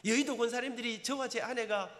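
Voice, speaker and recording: High-voiced Gyeongsang elder giving testimony. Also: male voice, a little fast, fairly bright tone. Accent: Gyeongsang Korean. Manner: impassioned, emotional storytelling with dialect turns. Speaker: church elder. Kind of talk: testimony sermon. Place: church sanctuary. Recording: long reverb in church sanctuary.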